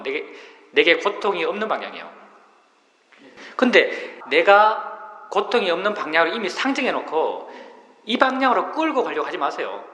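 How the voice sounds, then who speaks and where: Monk-teacher, middle-aged man; animated, bright delivery in a roomy hall with long reverb. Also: a little high. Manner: patient explaining, rhetorical questions. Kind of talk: dharma talk.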